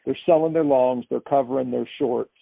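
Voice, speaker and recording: Husky, gravelly man giving market commentary, phone-like. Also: mid-range voice, fairly even intonation, moderate pace, no room sound. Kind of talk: unscripted financial commentary. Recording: thin phone-like line.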